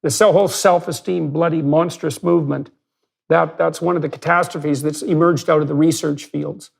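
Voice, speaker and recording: A man's voice: a little high, steady tone, normal speed, vocal fry. A man talking bluntly and emphatically as a guest in a conversational interview, with some mild swearing.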